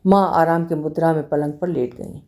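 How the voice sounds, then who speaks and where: A woman reading a short story aloud in a measured, expressive way. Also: sits low.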